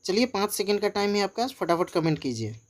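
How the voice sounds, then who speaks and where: A man's voice: high-pitched, big pitch swings. Man teaching in a chatty, coaxing tone. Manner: repeats example phrases slowly and keeps urging viewers to comment. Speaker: English tutor. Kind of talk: casual online teaching.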